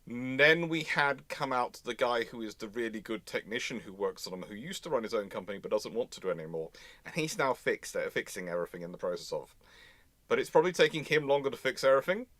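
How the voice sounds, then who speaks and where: A man's voice: mid-range voice, animated, quick pace, fairly bright tone, no echo. Man, British accent, live stream host, rambling explainer, mid-range voice, dry recording. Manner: rambling, repeats and rephrases himself. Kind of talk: unscripted live chat and explanation.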